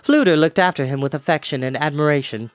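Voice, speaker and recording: A man reading a story aloud as storyteller, in an expressive narrating style. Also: a little high, quick pace, no room sound, soft background music.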